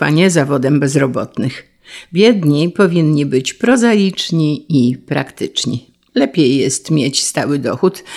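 A woman narrating a story in a measured, wry reading voice. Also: sits low, a little mellow.

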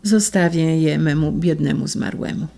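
A reader voicing a grieving gentle boy. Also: medium pitch, moderate pace, creaky, natural voice. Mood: tender grief.

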